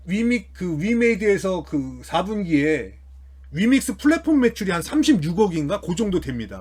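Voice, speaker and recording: A man with a high-pitched, darkish voice hosts a YouTube channel commenting on company earnings. His financial commentary is casual and explanatory, and he thinks aloud informally as he works through the figures.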